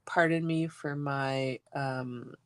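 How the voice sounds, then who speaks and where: A woman's voice: very deep voice, steady tone, slow pace, no room sound. A woman from Ontario, stuffed up with congestion, chatting her way through a live card-making demo from her craft room. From Guelph, Ontario, Canada. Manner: chatty, rambling. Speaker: stamping demonstrator.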